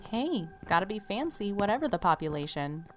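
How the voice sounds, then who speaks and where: A woman's voice: mid-range voice, sing-song, a little fast, soft background music, natural voice. A young woman playing a suspicious, plain-spoken twenty-something in an audio drama, casual and wry. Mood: wary, casual.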